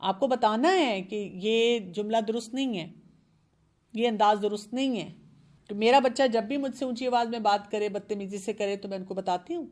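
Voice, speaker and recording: On a show, a middle-aged woman who is a parenting expert earnestly gives advice about discipline, drawing on examples from her own children. Her voice sits on the high side with a slightly mellow quality, and she sprinkles English words into her speech.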